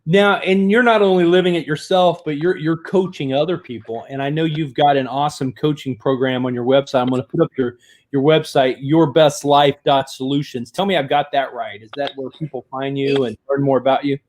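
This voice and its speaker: A man's voice: medium pitch, steady tone, a little fast. A man hosting an author interview, reading an upbeat guest introduction and asking questions. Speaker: interview host.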